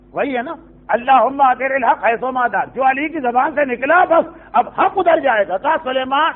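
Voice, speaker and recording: A man delivers a storytelling sermon in a strikingly high voice, acting out quoted exchanges and breaking off for side remarks and rhetorical questions. The sound is narrow and tinny, as if heard over a phone line. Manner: narrates with quoted dialogue, asides and rhetorical questions. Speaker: preacher.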